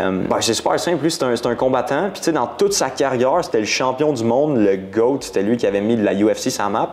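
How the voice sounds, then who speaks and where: Man, twenties, Quebec French accent, lowish voice, casual rambling talk, slang and English words. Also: darkish tone, slight background noise. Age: 20s. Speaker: guest entrepreneur. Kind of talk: casual interview.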